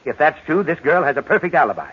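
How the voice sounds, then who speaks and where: An actor playing a blunt, impatient ship's captain who speaks in brisk exclamations in an old-time radio mystery. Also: male voice, fairly high pitch, very animated, slightly rough. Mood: skeptical, frustrated. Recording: dull old radio recording.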